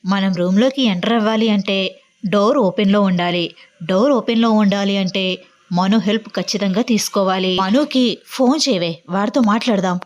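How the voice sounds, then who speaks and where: A woman voicing a young woman who plans a prank, talking in a brisk, insistent way. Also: medium pitch, highs cut off, lightly acted. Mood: eager.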